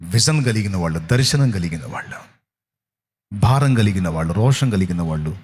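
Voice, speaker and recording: A man preaching a sermon at a night prayer service, asking rhetorical questions and swinging his pitch widely for emphasis. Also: expressive, moderate pace, a little mellow, breathy edge. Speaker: pastor. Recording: long hall reverb.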